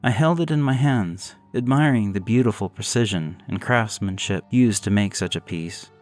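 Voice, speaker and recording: A man narrating a gothic horror story in a measured, deliberate way. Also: fairly low pitch, faint music behind.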